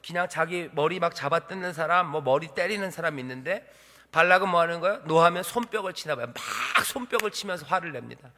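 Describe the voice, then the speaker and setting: A man's voice: fairly high pitch, fairly quick, pushed and bright. A male pastor preaching a sermon in a church hall. He asks the congregation rhetorical questions and acts out quotes.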